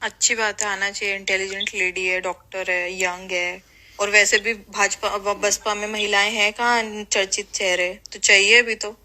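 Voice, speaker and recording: A woman's voice: mid-range voice, level tone, moderate pace, pushed and bright. A woman speaking casually on a recorded phone call, insistent and persuasive. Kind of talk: casual private phone conversation.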